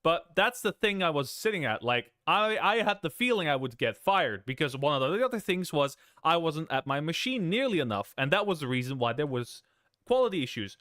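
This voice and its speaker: A young man with a fairly high, smooth voice, chatting on a livestream. He rambles, restarts, and keeps breaking off mid-story to thank viewers. The sound is dry and close. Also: very animated, fairly quick, pushed and bright, no echo. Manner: rambling, self-interrupting, thanks viewers between story bits. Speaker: streamer. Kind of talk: casual livestream chat.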